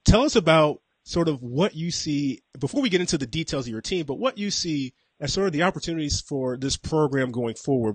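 A man's voice: medium pitch, slightly rough, dry recording. A man hosting a sports radio show, asking questions steadily with some fillers. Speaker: radio host.

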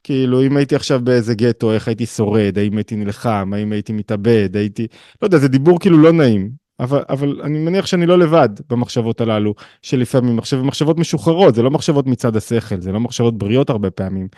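A man leads a casual spiritual class over a video call, his mid-pitched voice dry and close to the mic. He talks in a loose, slangy way with restarts, then leaps sharply higher and louder whenever he acts out a voice or drives home a point. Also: animated, no echo. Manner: conversational with slang and many restarts. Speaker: teacher of a weekly online class.

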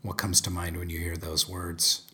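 An earnest man hosts a podcast conversation, measured and sincere. His voice is very deep. He speaks calmly and deliberately. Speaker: host. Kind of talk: podcast conversation with a read passage.

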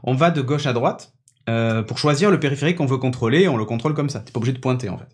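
A man's voice: medium pitch, very fast. A man hosting a casual tech podcast, chatty and enthusiastic as he demonstrates a gadget, with plenty of hesitations. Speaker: podcast host presenting a gadget. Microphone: podcast studio microphone on a mixing desk.

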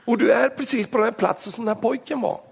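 A man preaching an animated sermon, acting out little scenes and asides. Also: extremely high pitch, creaky, slightly rough. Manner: animated, acts out voices and asides. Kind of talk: lively sermon.

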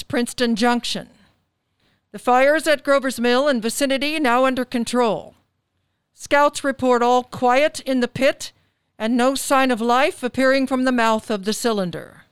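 Actress as high, crystal-clear old newsreel bulletin announcer, female. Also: no echo, lightly acted. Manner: formal, measured announcing. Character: composed female radio news announcer reading urgent bulletins.

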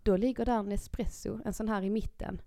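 A woman in her thirties co-hosting a podcast, telling everyday stories in a casual, animated way. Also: medium pitch, dry recording, clean studio sound. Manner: animated storyteller, acts out quotes, laughs often. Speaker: podcast co-host.

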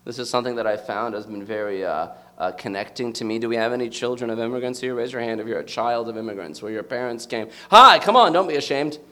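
A man in his thirties from the United States stands before a live audience and gives a personal talk. His voice sits at a middle pitch. He speaks reflectively and often stops to search for the right words. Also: fast talker, hardly any pauses, sharp tone.

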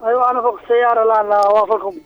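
A man calling in over the phone from his car. He talks in a hurried, blunt way. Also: high voice, fairly even intonation. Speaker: phone-in caller. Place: in a car with the radio playing. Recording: tinny phone line with radio music behind.

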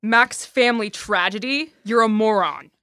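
A woman's voice: fairly high pitch, normal speed, background noise, close to an everyday voice. An actress playing a blunt but caring young woman in an audio drama. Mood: scolding.

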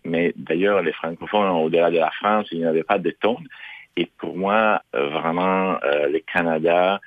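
A man's voice: low-pitched, moderate pace, no echo. A middle-aged man from Italy, speaking French as a second language, answering interview questions with many fillers and restarts. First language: Italian. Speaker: guest. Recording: dry, phone-like narrow sound.

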